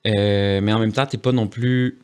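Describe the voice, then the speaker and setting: A man in his late thirties with a Quebec French accent, a podcast guest talking casually in a studio in a rambling, halting way full of fillers and restarts. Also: on the low side, fairly even intonation, a little mellow, smooth. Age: 30s. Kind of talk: casual conversation.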